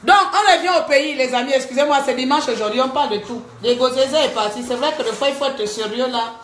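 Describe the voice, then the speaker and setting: A high-pitched woman rants on a live stream, switching between scolding and joking. Her voice rings in an echoey room. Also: fast talker, slight background noise. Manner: animated, scolding and joking by turns. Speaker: livestreamer.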